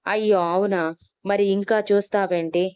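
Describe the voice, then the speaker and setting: A woman's voice: medium pitch, fairly even intonation, moderate pace, a little mellow, smooth, no echo, pitched above the performer's own voice, close to an everyday voice. A woman voicing a rich young man who speaks in an irritated, dismissive way in an audio story.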